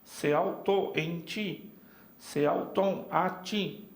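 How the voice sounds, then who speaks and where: A man teaching Biblical Greek in a seminary class, slowly spelling out word forms and checking in with his students. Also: high-pitched, gravelly, echoey room. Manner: slow, spells out forms, frequent "tá?" and "ó". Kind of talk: classroom lecture. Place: church classroom.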